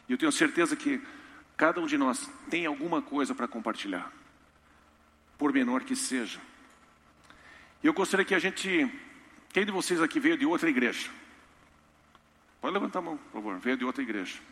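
A man preaching a sermon in a church, humorous and storytelling with lively asides. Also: medium pitch. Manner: storytelling, humorous, animated impressions. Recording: reverberant church hall.

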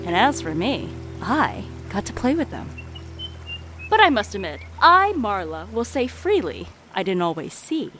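A sly female jewel seller in an audio drama. She confides in the listener with theatrical, teasing relish, her pitch swinging widely. Loud music plays behind her. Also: big pitch swings, unhurried. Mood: sly, confiding. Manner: conspiratorial, teasing, dramatic storytelling.

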